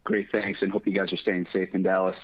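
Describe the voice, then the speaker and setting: Analyst guy, talks quick, stammers a bit, dry muffled call sound. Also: low voice, little pitch movement, dry recording. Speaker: financial analyst asking questions. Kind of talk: earnings call question. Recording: dry, dull call audio.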